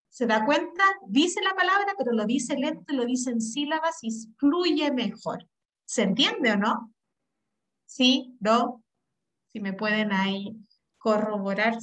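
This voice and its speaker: Chilean woman teaching a class online. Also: a little high. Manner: explanatory, often checks understanding with "¿ya?" and "¿cierto?". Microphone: laptop mic on a video call.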